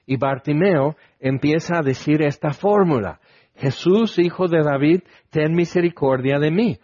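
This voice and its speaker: A man's voice: fairly high pitch, unhurried, darkish tone, no room sound, lo-fi sound. A man preaching a conversational sermon, asking his listeners questions and acting out the lines he quotes.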